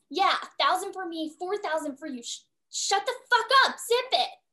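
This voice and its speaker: Her voice is raised and projected. The woman's pitch swings very widely. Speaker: actor reading a monologue. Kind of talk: dramatic monologue, profane and gritty.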